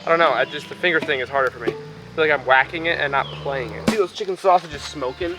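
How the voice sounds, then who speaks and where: A man's voice: fairly high pitch, quick pace, music in the background. A young man vlogging outdoors at a campsite in a chatty, laid-back, joking way. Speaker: camping vlogger. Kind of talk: casual vlog talk.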